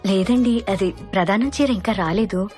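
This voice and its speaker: An actress playing a hesitant, puzzled wedding relative in a Telugu film comedy. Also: female voice, medium pitch, moderate pace, darkish tone, faint music behind, lightly acted.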